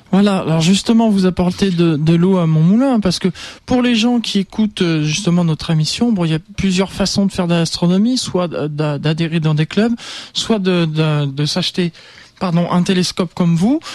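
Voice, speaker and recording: A man speaks in a high voice at a moderate pace. His loudness stays very even. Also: ordinary pitch variation. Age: 30s. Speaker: radio host. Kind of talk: radio interview.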